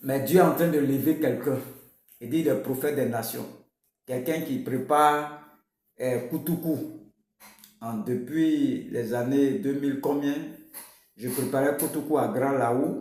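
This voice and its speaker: A man with an Ivorian accent, fairly high in pitch, at a very slow pace with long, frequent pauses and audible room echo. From Côte d'Ivoire. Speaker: prophet and preacher. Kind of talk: personal testimony and channel introduction. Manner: repetitive, emphatic.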